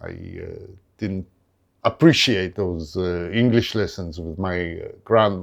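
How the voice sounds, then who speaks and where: A man with a non-native accent and fairly low pitch talks at a very slow pace, with ordinary pitch variation and big swings in loudness. The recording is very clean, with a silent background. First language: not English. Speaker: photography youtuber and biologist. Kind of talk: casual vlog monologue. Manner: hesitant, many filler uhs.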